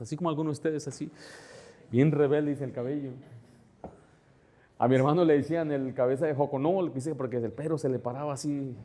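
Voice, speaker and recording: A male pastor preaching a conversational sermon, asking the congregation to follow along in the text and rising louder when he stresses a point. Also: medium pitch.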